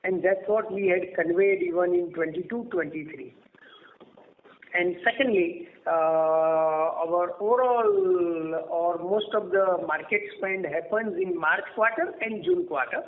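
A man's voice: sits high, lively intonation, unhurried. A man, a finance executive explaining figures on an earnings call. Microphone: conference phone call. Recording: tinny noisy phone line.

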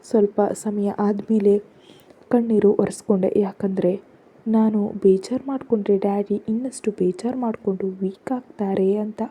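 A woman narrating a first-person family drama story in a soft, hushed storytelling voice. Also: medium pitch, fairly even intonation, moderate pace, breathy edge.

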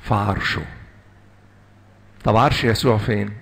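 A man with an Egyptian Arabic accent preaching a sermon to young people, quizzing the audience and drawing out lists slowly and emphatically. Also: on the low side, fairly even intonation, vocal fry. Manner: asks the audience questions and answers them. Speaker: lay preacher.

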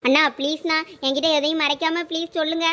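A woman's voice: high voice, level tone, quick pace, bright, forceful tone. A woman playing a chatty young village wife. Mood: pleading. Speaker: skit actor playing a young wife and her sister-in-law. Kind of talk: village family comedy skit.

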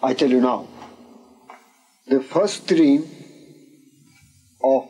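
A man's voice: medium pitch, very slow, breathy edge, soft background music, low-quality recording. An older man, a native Persian speaker from Iran, telling a life story in a dim indoor room on old videotape, his voice rising when he quotes people. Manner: animated storyteller, voice rising in quoted speech, gesturing. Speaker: interviewee. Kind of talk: storytelling oral history. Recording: old VHS tape.

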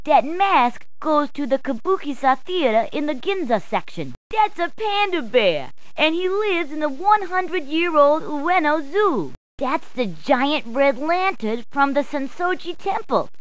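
A high, punning game policewoman. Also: very animated, unhurried, few pauses, no echo. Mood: cheerful. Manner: upbeat, punning, chatty. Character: cheery punning adult policewoman. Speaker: voice actor. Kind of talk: game voice clips.

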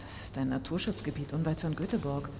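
Stern police inspector in echoing hall. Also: female voice, deep voice, fast, a little hiss or hum. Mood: curt, probing. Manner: curt, demanding, sharp questioning. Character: stern, impatient female police detective inspector. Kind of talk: audio drama acting. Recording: reverberant hall, music underneath.

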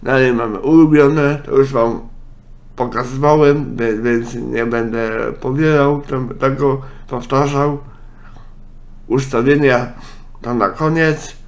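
A man, a congested nose and a speech impediment, giving a casual, halting software walkthrough. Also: medium pitch, fairly even intonation. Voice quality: congested, blocked-nose sound; speech impediment, imperfect articulation. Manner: halting, with self-corrections. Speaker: software tutorial presenter.

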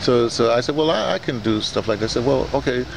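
A man interviewing casually, speaking in a halting way and often repeating words and phrases. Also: medium pitch, animated, creaky. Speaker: interviewer, audio dramatist. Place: outdoors in a courtyard beside a building. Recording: noisy outdoor recording, urban traffic ambience.

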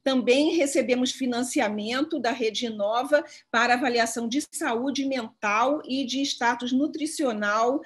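Woman, slightly high voice, presenting research on a video call, halting delivery with frequent fillers. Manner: hesitant, many filler pauses. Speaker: lab head giving a symposium talk. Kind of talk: online academic presentation.

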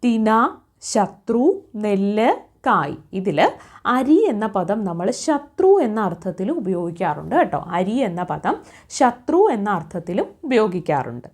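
A woman's voice: medium pitch, expressive, measured pace, darkish tone. Woman as an exam coach, drilling quiz answers by repetition and rhetorical questions. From Kerala.

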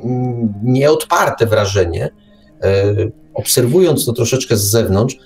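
Male radio host, mid-pitched, opinionated, addresses the audience with pointed questions, faint music underneath. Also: a little mellow. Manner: rhetorical questions, addressing listeners directly. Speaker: talk show host.

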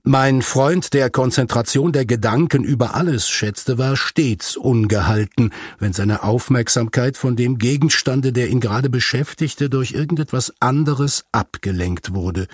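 A man narrates a detective story for an audiobook. His voice is medium in pitch with a raspy, husky grain. The sound is very dry, with no room around it. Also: measured pace, hardly any pauses, dry recording. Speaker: audiobook reader.

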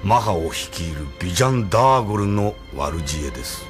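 An actor playing a loyal rebel admiral who speaks politely and proudly in a radio drama. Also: male voice, low voice, animated, fairly quick, over music. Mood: earnest. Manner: polite, deferential yet proud. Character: loyal middle-aged male rebel admiral, earnest.

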